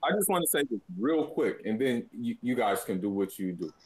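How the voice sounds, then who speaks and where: A man talking in a relaxed live show, sounding muffled and faint, as if his voice comes through a wall. He speaks at an ordinary middle pitch and often stops and restarts his sentences while he works through a thought. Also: brisk. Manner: hesitant, restarts phrases. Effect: muffled, low voice as if through a wall. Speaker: co-host. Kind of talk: casual live chat about boxing. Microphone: Bluetooth headphones mic.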